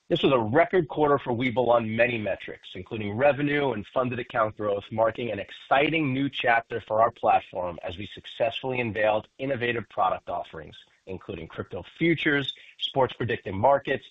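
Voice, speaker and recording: A man's voice: medium pitch, moderate pace, breathy edge, no room sound. A man giving scripted closing remarks as a company executive on an earnings call. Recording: muffled narrow phone line.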